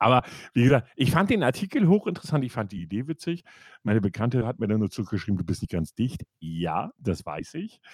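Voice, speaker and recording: In a dry, close sound with no echo, a man speaks at a medium pitch and a fairly quick pace, his pitch swinging very widely. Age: 40s. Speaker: podcast co-host. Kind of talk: casual chat.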